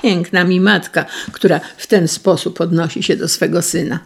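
A reader voicing a rude, arrogant young man speaking curtly to his mother, with a husky voice. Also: medium pitch, steady tone, moderate pace. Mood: scornful. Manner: curt, rude.

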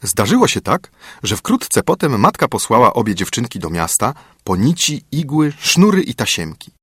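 Male audiobook narrator, husky voice, lively melodic reading, dry close sound. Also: medium pitch, moderate pace, no echo. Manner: expressive storytelling. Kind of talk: fairy tale audiobook narration.

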